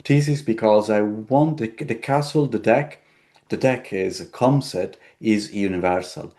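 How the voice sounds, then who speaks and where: Low-voiced man searching for his words. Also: unhurried, mellow. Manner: searching for words, repeating himself. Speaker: tarot deck creator. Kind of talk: casual interview conversation.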